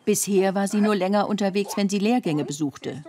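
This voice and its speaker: A woman's voice: mid-range voice, brisk, crowd noise. A woman reading scripted narration for a television documentary report.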